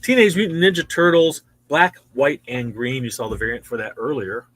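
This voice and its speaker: A man's voice: mid-range voice, normal speed, a bit bright, no echo. A man in his sixties hosting a casual show-and-tell of new comics in a store, chatty and easily impressed. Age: 60s. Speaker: comic shop host.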